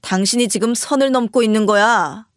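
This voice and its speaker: A defensive storybook husband, curt and dismissive, voiced by a woman. The voice stays fairly high and close-miked. It sounds dry, with no room around it. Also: fairly quick, no room sound, natural voice. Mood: irritated. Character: irritated defensive husband, adult man.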